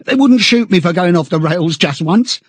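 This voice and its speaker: A man acting a high, servile, stammering loyalist chap. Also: sing-song, moderate pace, darkish tone, breathy edge, dry recording. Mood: anxious, pleading. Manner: stammering, chummy old-fashioned British chap talk, sententious. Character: servile, frightened, eagerly pleading middle-aged party loyalist man.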